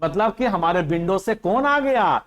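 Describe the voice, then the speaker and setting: A man teaching a class, who reads lines of an English poem slowly and then explains them with lively asides. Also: high-pitched.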